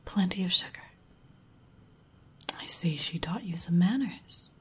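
A woman's voice: on the low side, unhurried, fairly bright tone, exaggerated voice. A woman voicing a powerful mature succubus mother in a sultry, teasing, condescending whispered role-play. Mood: imperious, seductive. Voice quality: very breathy, husky.

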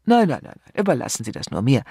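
A man's voice: medium pitch, very animated, normal speed, gravelly, slightly rough, no echo, clean studio sound, full character voice. Man voicing a shrewd, jovial old chief inspector. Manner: genial, evasive.

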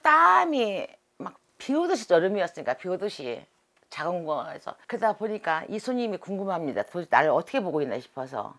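A middle-aged woman with a husky, slightly low voice tells her stories with lively, swinging intonation. She is a shaman being interviewed, and her delivery is animated and dramatic. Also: brisk. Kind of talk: storytelling interview.

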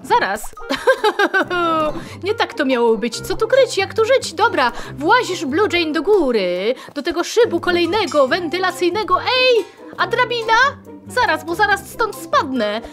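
A woman's voice: extremely high pitch, sing-song, unhurried, music in the background. A woman hosting playful gameplay commentary, making up little rhymes as she plays and squealing cries for help. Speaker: gaming channel host.

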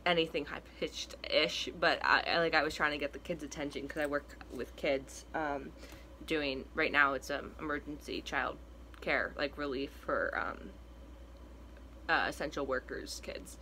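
The recording is rough, with slight background noise, as a young trans male vlogger gives a casual update from a small room at home. His voice is a little high and sharp, moving at a moderate pace, and he rambles chattily with lots of fillers, restarts and occasional voice cracks.

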